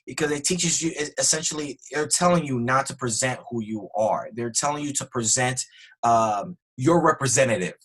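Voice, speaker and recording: A man's voice: medium pitch, expressive, moderate pace, fairly bright tone, breathy edge. A man being interviewed on a podcast, earnestly explaining his views step by step, with frequent restarts. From Spanish family background. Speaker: guest.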